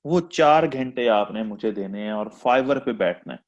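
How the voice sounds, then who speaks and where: Chatty instructor on a dull call. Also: male voice, on the low side, lively intonation, a little slow. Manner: chatty, teasing, rhetorical. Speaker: freelancing instructor. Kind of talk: live online class lecture.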